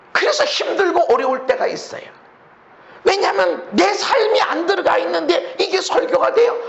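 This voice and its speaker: A Korean pastor delivers a sermon from the pulpit of his church sanctuary in a high, gravelly voice with fry. He animatedly fires rhetorical questions at the congregation, drops into low, quiet asides, then presses the point again with loud emphasis. The recording is dull and lo-fi, with the roomy echo of the church hall.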